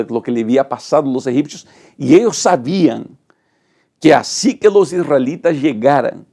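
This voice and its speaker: A man's voice: mid-range voice, vocal fry, mellow. A middle-aged male pastor, teaching a Bible study lesson with dramatic, emphatic delivery and rhetorical lists.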